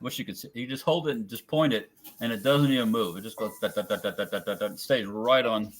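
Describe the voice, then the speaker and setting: A man's voice: on the low side, fast. A man chatting casually about guns, rambling and trailing off, often chuckling. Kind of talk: casual firearms chat.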